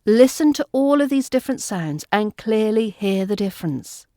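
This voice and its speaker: A woman with an RP British accent, giving a scripted lesson as an accent coach, speaking in a clear, carefully enunciated way. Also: medium pitch, animated, normal speed, dark tone, no echo, clean studio sound. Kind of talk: scripted teaching narration.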